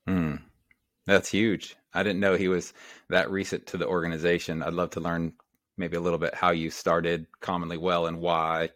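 Very deep-voiced enthusiastic male podcast host. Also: little pitch movement, moderate pace, a bit bright, no room sound, clean studio sound. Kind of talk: conversational podcast interview.

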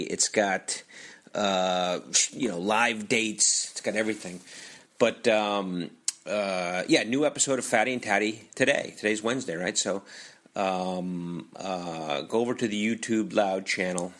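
An American man hosting a podcast, talking loosely and haltingly through plugs and sponsor reads in a casual, ad-libbed way. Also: fairly low pitch, fairly bright tone. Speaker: podcast host.

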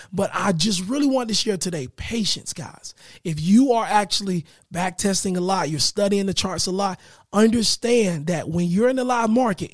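Raspy man, hoarse and losing his voice, podcast host, husky, dry close mic. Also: sits high, dry recording. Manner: energetic, hyped greetings, repeats "right?". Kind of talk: casual motivational talk.

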